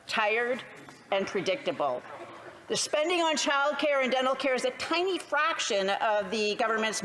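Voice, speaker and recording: A Canadian woman gives a prepared political speech in a legislative chamber, her pitch moving in animated swings. Her phrasing is deliberate and sarcastic. Faint noise sits behind her voice. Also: poor audio. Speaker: opposition politician.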